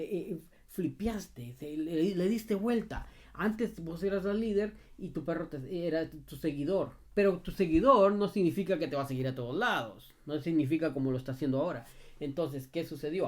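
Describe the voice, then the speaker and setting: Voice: medium pitch, a little mellow. A dog trainer answering a viewer's question in a casual advice video, talking straight to the viewer and repeating points with a frequent "ok?". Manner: emphatic and repetitive, often asks "ok?"; talks straight to the viewer in familiar second person.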